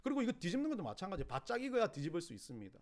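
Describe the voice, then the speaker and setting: A middle-aged man with a Gyeongsang Korean accent preaches a sermon. His voice sits high and leaps all over, rising to loud emphatic cries and dropping to hushed low asides. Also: wildly swooping pitch, racing. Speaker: pastor.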